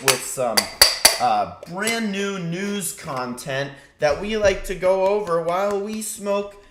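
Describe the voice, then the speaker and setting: A man's voice: on the high side, a little hiss or hum. A man hosting a casual live morning show, talking in a laid-back way and swearing casually. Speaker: host. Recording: echoey room.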